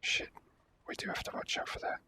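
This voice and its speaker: A person whispering softly in an ASMR style while commentating on a video game, speaking in halting phrases with pauses. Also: slight background noise. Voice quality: soft unvoiced whisper. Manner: slow, halting delivery with pauses. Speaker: let's play host.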